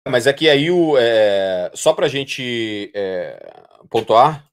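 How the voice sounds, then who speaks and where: A man's voice: mid-range voice, very animated, drawn-out words. A man with a Brazilian Portuguese accent in casual podcast conversation, informal and slangy, often repeating phrases. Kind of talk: casual podcast chat and anecdote.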